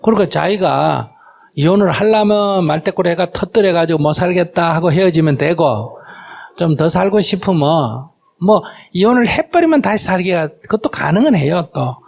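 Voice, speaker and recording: A man's voice: high voice, lively intonation, normal speed, vocal fry, a little mellow. A man, a Buddhist monk giving a question-and-answer dharma talk, firing rhetorical questions at the audience and acting out quoted exchanges. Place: lecture hall with audience.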